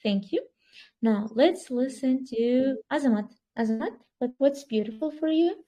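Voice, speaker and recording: A woman's voice: sits high, moderate pace, mellow. A woman hosting an online English speaking club, encouraging the participants and switching between English and over a video call. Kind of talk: online English conversation class.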